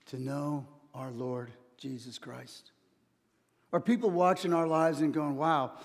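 A middle-aged man preaching a sermon from a church stage, telling stories and swinging from soft asides to loud emphasis. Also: fairly high pitch. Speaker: pastor. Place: church stage, large hall. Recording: long church hall reverb.

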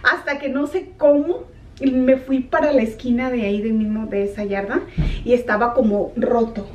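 A woman's voice: on the high side, moderate pace, distant mic, muffled recording, slight background noise. A middle-aged woman, chatting casually in a home vlog and slipping in English words. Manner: chatty, animated storytelling mixing in English words. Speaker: vlogger. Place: her home, kitchen and yard.

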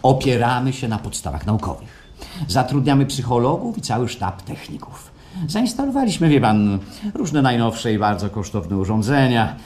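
Man, acting, radio play, polished salesman president, smoothly persuasive, animated melody, mid pitch. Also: normal speed, natural voice. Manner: courteous, salesmanlike, smoothly insistent. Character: suave, assured male institute president pitching happiness. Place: performed live at a radio theatre festival. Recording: live stage radio play, faint noise.

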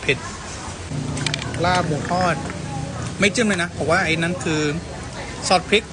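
High-voiced foreign man speaking simple accented Thai. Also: a little slow. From foreign country. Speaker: food vlogger. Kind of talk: casual food vlog chat to camera. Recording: clear outdoor street and vehicle noise.

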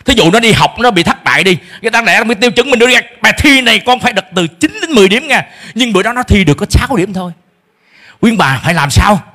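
A middle-aged pastor from Vietnam gives a forceful sermon, voicing parents' complaints with a shifting delivery. His high voice is expressive and sharp, moving at a quick pace.

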